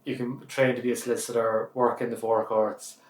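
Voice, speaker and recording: A man hosting an interview, friendly and quick to laugh. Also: medium pitch, level tone, a little mellow, roomy sound, far from the mic. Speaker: podcast host. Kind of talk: casual interview.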